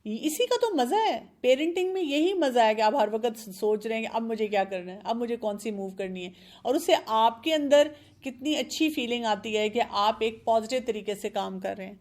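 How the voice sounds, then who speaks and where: A woman's voice: fairly high pitch, lively intonation, few pauses, darkish tone. A middle-aged woman, a parenting expert, earnestly explaining discipline with examples from her own children and mixing in English words. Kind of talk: advice talk on a show.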